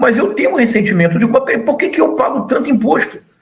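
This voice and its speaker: Amid audible room echo, a man talks very fast at an extremely high pitch with lively intonation. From Brazil, Rio de Janeiro. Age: 60s. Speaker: professor. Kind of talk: interview. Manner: animated.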